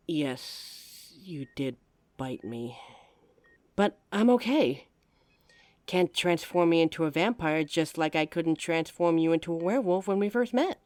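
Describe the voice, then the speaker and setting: A woman playing a devoted, protective werewolf lover in an audio drama, anxious, tender and halting. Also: on the low side, a little mellow, no echo. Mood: reassuring.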